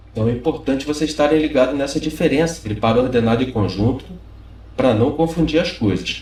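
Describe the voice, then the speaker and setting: Amid noticeable background noise and audible room echo, a man speaks fairly quickly at medium pitch with ordinary pitch variation. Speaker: math teacher. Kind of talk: lecture.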